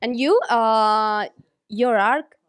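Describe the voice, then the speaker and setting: A woman with a Spanish accent, a native Spanish speaker, interviewing actors in halting English. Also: fairly high pitch, smooth. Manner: halting, searching for English words. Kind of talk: press junket interview.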